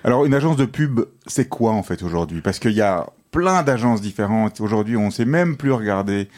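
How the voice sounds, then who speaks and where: A man's voice: lowish voice, expressive, normal speed, a little mellow. A man co-hosting a radio show in casual chat, often repeating and rephrasing himself. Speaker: radio co-host.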